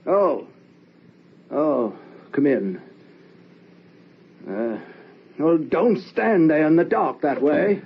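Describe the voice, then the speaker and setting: An actor playing a nervous, evasive middle-aged widowed father in an old-time radio drama, halting and stammering in agitation. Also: fairly high pitch, animated, vocal fry, exaggerated voice. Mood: startled, fearful. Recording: dull, noisy old radio recording.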